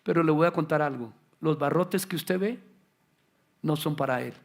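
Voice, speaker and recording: A middle-aged man preaching a sermon as pastor, animated and acting out the voices he quotes. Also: fairly high pitch, normal speed, creaky.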